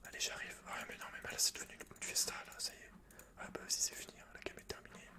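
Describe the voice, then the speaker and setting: A man whispering casual, slangy ASMR gameplay commentary close to the mic in a teasing way. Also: fast talker. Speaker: gaming ASMR host. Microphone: close microphone. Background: computer keyboard typing.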